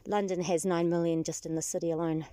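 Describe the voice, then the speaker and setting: A young woman from New Zealand with a Kiwi accent, chatting as a passenger and telling stories with lively asides. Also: lowish voice, fast talker, no room sound. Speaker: taxi rider guest. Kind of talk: casual chat. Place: in a moving car.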